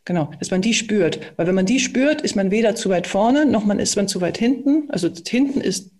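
A speaking and voice coach talks through exercises in conversation, calmly explaining and demonstrating them with small hesitations. The voice is mid-range and the pace fairly quick.

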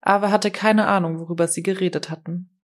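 A woman narrating an audiobook in a steady, measured reading style. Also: lowish voice. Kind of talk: scripted narration.

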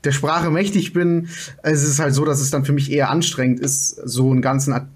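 A man co-hosting a casual podcast, talking in a relaxed way with hesitations and fillers. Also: fairly high pitch, a little fast. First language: not English. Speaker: podcast co-host.

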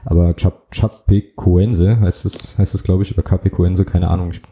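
A man's voice: deep voice, fairly even intonation, normal speed, warm tone. A man co-hosting a casual fan podcast, rambling with many fillers and restarts. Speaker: podcast co-host.

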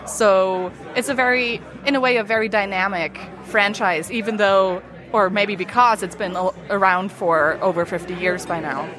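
A woman's voice: medium pitch, steady tone, normal speed, fairly bright tone. A woman scholar answering casually in an interview, raising her voice over event noise. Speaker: science fiction scholar interviewed. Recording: noisy crowded evening event.

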